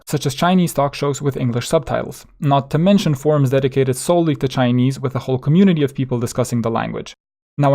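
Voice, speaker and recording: A man with a Slovene accent teaches in a relaxed, conversational way. His voice sits a little high for a man. He explains each point carefully and shares his opinions along the way. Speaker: language teacher. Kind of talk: explanatory video lesson.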